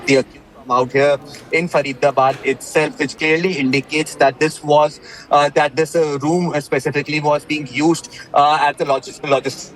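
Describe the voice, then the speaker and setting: A man with an Indian accent reporting breaking news live, haltingly, with repeated words and many filled pauses. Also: a little high, level tone, fairly bright tone, poor audio.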